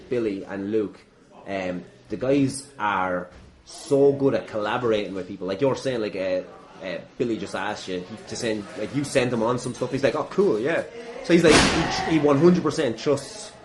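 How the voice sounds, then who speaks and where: A man's voice: fairly low pitch, normal speed. An Irish man hosting a casual interview in a joking, sweary, bantering way. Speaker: podcast host. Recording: noisy venue with clatter behind. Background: noise from a wrestling ring.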